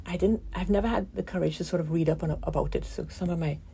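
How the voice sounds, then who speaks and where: A woman physician giving a radio interview, with a croaky voice from a damaged vocal cord nerve, explaining things calmly with many pauses. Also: fairly low pitch, a little hiss or hum. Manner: calm, explanatory, pauses often.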